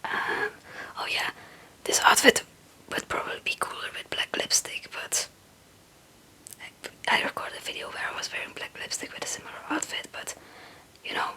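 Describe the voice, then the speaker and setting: A young woman, a native Dutch speaker, whispering breathily in a rambling, halting, casual ASMR chat. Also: pushed and bright, poor audio. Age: young adult. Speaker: ASMR video creator.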